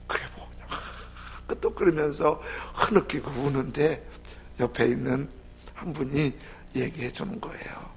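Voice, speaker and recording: A man preaching a sermon as a pastor, telling a story with emotion and swinging between loud outbursts and hushed whispers. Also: on the high side, vocal fry, slight background noise.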